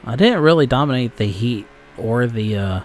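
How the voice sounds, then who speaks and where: A man's voice: mid-range voice, expressive, moderate pace, darkish tone, a little hiss or hum. A young man casually commentating a racing game as he plays, rambling with lots of fillers and the odd curse. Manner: rambling with frequent fillers and profanity. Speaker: gaming channel host.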